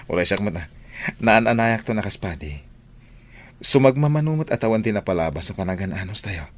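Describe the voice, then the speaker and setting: An actor with an Ilocano Filipino accent playing a friendly, hopeful young seminarian in a radio drama, with some background noise. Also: male voice, on the low side, lively intonation, normal speed, lightly acted.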